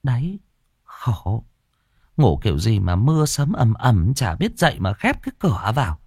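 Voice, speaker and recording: A man's voice: a little high, big pitch swings, unhurried, no echo, studio quality, pitched above the performer's own voice. A man voicing a fretful middle-aged mother who scolds and nags her son in a raised voice. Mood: scolding. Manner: nagging, scolding.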